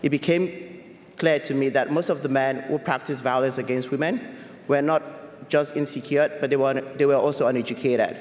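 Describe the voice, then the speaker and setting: A young man from Cameroon giving an earnest, measured personal talk as a youth advocate, with small restarts. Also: mid-range voice, fairly even intonation, a little mellow. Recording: echoey hall with long reverb.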